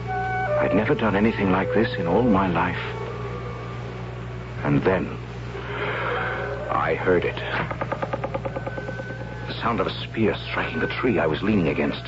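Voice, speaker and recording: An anxious young tribal warrior, lo-fi. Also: male voice, low-pitched, huge pitch swings, exaggerated voice. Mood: solemn, fearful. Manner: dramatic, measured narrating with hesitant asides. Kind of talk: 1970s radio drama acting, first-person storytelling. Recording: dull 1970s radio recording, loud music.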